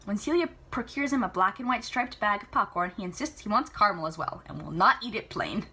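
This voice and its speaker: A woman reading a novel aloud in an enthusiastic, chatty way, adding casual asides and reactions, with a husky voice. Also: mid-range voice, expressive, a little fast, pushed and bright. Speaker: amateur book reader.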